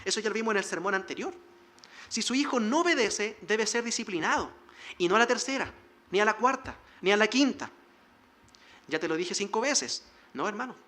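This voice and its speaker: A male pastor delivers a sermon in a high, ringing voice. He exhorts the congregation earnestly and slips into short acted lines of dialogue to make his point. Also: sharp tone. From Chile.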